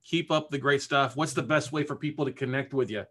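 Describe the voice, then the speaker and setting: A man's voice: mid-range voice, fairly even intonation, a little fast, a bit bright. A man hosting a live-streamed podcast session over a video call, talking in an upbeat, chatty way with plenty of fillers. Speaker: podcast summit host. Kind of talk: casual live-stream interview.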